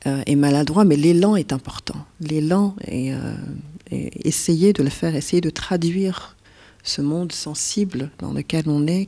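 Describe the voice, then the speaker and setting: Burundian woman poet, husky fry, halting reflective speech. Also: low voice, dark tone. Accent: Burundian French. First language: Kirundi. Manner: hesitant, many fillers and restarts. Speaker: poet, interview guest. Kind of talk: reflective literary interview. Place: stage at a poetry house.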